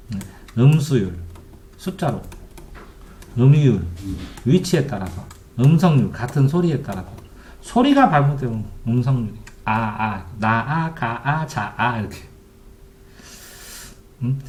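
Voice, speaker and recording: Middle-aged guy tutoring, higher voice, bouncy and animated, keeps asking "got it?", echoey room. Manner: lively, quizzing students with repeated questions. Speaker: Korean literature tutor. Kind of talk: online lecture answering student questions. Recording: echoey room, keyboard typing behind.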